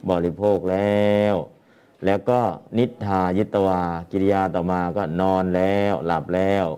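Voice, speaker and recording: A man's voice: sits low, little pitch movement, a little slow, mellow, smooth. A man teaching Pali translation to a class and explaining patiently, often repeating his phrases.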